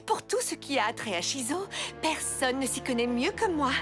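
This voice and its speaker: A high, swooping female cartoon villain, sly and bossy. She sounds mocking and vengeful even when playing the eager fan, with music behind her. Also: moderate pace. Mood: eager, sugary. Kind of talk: French cartoon dubbing.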